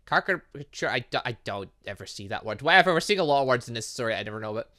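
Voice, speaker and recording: Lively, bright-voiced let's play commentator. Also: mid-range voice, racing. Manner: chatty, rambling, thinks aloud. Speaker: gaming channel host. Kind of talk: let's play commentary, reading a visual novel aloud and reacting.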